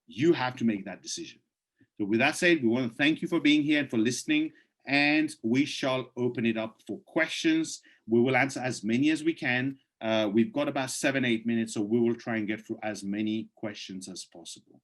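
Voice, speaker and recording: A man with a voice worn hoarse from many presentations hosts a video call and speaks through a computer mic. He urges his listeners persuasively and reads their chat questions aloud before answering them one by one. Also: medium pitch, a little fast, a bit bright. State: losing his voice.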